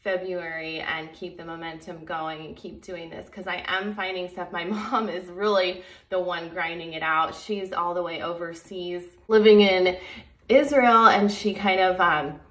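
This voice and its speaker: A woman's voice: fairly low pitch, steady tone, unhurried, fairly bright tone, reverberant. A woman hosting a video channel, talking to viewers in a casual, chatty, rambling way. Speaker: host of a true crime video channel.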